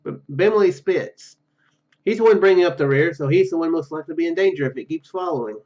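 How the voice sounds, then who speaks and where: A man's voice: fairly high pitch, lively intonation, quick pace, muffled recording. A man hosting a gaming video, reading game narration aloud with casual commentary and stumbling over words as he goes. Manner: stumbles and self-corrects while reading.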